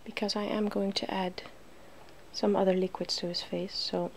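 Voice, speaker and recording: A woman hosting an ASMR video, talking softly through a hands-on demonstration and slipping now and then into whispers. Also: mid-range voice, level tone, moderate pace. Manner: soft-spoken, slipping into whispers. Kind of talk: ASMR, soft-spoken makeup demonstration. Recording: clear background noise.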